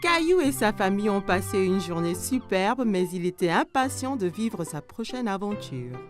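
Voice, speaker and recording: A woman narrating a children's story in an expressive, scripted storytelling style. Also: medium pitch, moderate pace. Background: music.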